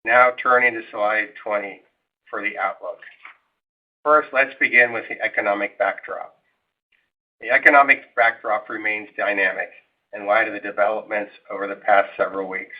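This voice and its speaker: Over a narrow, tinny phone connection, a man with a fairly low voice delivers prepared financial remarks. He sounds like a company executive on an investor call, formal and measured in how he presents. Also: steady tone.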